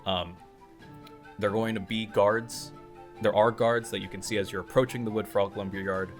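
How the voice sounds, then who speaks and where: A man narrating a tabletop roleplaying game as game master, improvising in a halting, conversational way as he thinks aloud. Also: on the low side, fairly even intonation. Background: music.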